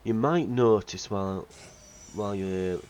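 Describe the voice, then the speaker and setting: A man's voice: fairly low pitch, measured pace, darkish tone. A man with a slightly nasal voice from a cold, giving casual, rambling commentary while playing a video game. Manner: chatty, rambling, with fillers. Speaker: let's play host.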